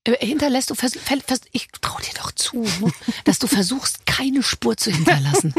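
A woman hosting a podcast, chatting casually and playfully with quick asides. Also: fairly high pitch, sing-song, a little hiss or hum. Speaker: podcast host. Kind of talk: casual chat.

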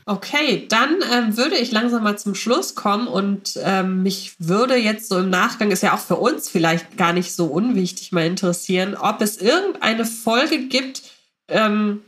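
A woman with an average-pitched voice hosts a podcast discussion. She speaks conversationally, steering the talk and addressing her guests. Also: expressive, a little slow, a bit bright. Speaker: podcast host. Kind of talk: casual moderated discussion.

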